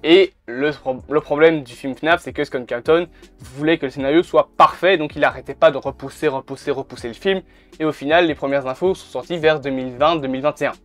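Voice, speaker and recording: A man's voice: on the high side, fairly quick. A man, chatting casually and bluntly to camera, swearing now and then. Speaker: YouTuber. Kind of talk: casual video commentary. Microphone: camera mic. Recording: faint background music.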